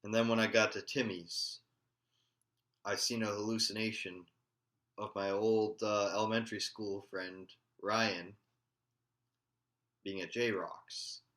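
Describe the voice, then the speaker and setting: Guy telling a story real slow, low bright voice, kinda halting. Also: steady tone. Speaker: vlogger. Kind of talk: casual storytelling.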